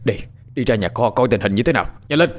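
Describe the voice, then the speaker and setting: A man voicing an angry rich old master of a household, gruff and barking orders. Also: mid-range voice, expressive, fast talker, natural voice.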